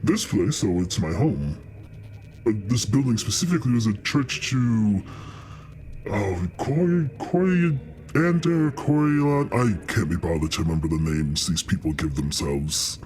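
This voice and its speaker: A man's voice: lowish voice, animated, unhurried, darkish tone, a little hiss or hum. A man voicing a proud, sly young black dragon in a tabletop game, drawling with scorn for mortals as he bargains. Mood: lazily scornful.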